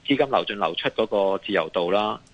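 A man's voice: lowish voice, fairly quick, dry recording, lo-fi sound. A man with a Hong Kong accent giving live market commentary as a guest analyst, hesitating, repeating phrases and mixing in English terms.

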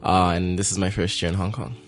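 A young man from the United States, a student guest on a talk show, speaking in a relaxed way with many ums. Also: low-pitched, fast. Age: young adult. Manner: relaxed, filler-heavy.

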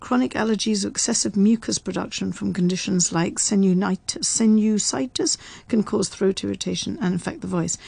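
A woman's voice: medium pitch, brisk, creaky, hardly any pauses, darkish tone, slightly rough, dry recording. A woman in casual chat, explaining facts as a radio presenter and laughing often. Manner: chatty, reads facts aloud, laughs often.

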